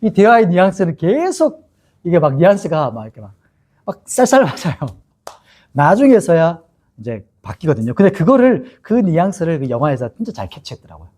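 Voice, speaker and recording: A man's voice: a little high, sing-song, brisk, darkish tone. A male pastor teaching a Bible-study sermon in a chatty way, asking his listeners questions and laughing often.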